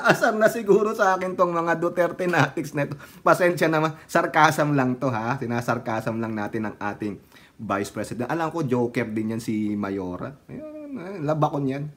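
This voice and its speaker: A man's voice: a little high, fairly bright tone, husky. A man with a Filipino accent giving sarcastic, casual commentary in a vlog, laughing often and breaking into bits of song. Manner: laughs often, sings snatches of songs. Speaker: political commentary vlogger.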